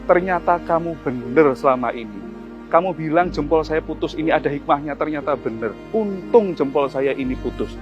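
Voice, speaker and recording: A man voicing a king who has lost his thumb, with a higher, indignant, complaining voice. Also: moderate pace, muffled recording, over music, lightly acted. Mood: grateful. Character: fretful king, hurt and quick to anger.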